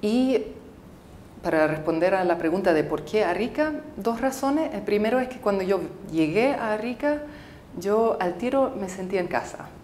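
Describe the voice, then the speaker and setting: A woman in her thirties, a native English speaker who grew up in the United Arab Emirates, answers interview questions thoughtfully, pausing often with fillers and restarts. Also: mid-range voice, lively intonation, darkish tone, echoey room, slight background noise. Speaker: filmmaker interviewee.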